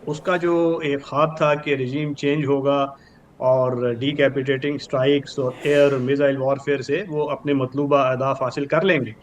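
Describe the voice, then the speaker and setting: An older man with a Pakistani accent gives formal, measured news analysis as a guest expert, dropping in English terms. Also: mid-range voice, flat delivery. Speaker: retired brigadier, news analyst. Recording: clearly noisy with background ambience.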